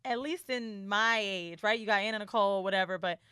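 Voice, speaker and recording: A woman with a bright, forceful voice chats as a podcast co-host. Her style is frank and informal, with casual swearing. The sound is dry and free of room echo. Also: mid-range voice, brisk, clean tone. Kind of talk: casual candid chat.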